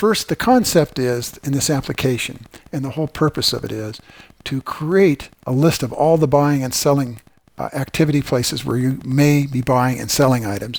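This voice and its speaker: This is a man with a normal speaking voice, pitched fairly high. He moves at a moderate pace with ordinary pitch variation. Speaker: software developer giving app tutorial. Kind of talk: tutorial.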